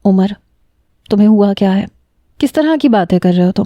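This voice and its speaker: A woman's voice: medium pitch, animated, dark tone, no room sound, close to an everyday voice. A woman voicing a caring, stubborn young woman who scolds with affection. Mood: worried scolding.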